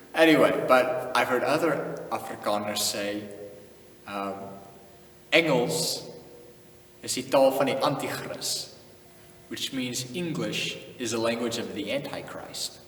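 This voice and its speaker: Slow-talking man in an echoey room. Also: medium pitch, fairly bright tone, distant mic. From United States. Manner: laid-back, chuckling, drops in Afrikaans phrases. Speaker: channel host. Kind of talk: casual vlog talk. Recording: echoey room, voice from off-mic, faint noise.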